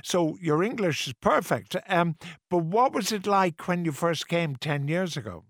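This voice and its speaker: A man's voice: a little high, animated, unhurried, a bit bright, no echo, clean studio sound. A man hosting a radio talk show, asking direct questions in a friendly way. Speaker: radio host. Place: radio studio.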